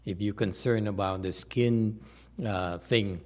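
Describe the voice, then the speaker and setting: A man teaching as a Buddhist master, answering questions in a halting way with long hesitations and repeated words. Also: fairly low pitch, steady tone.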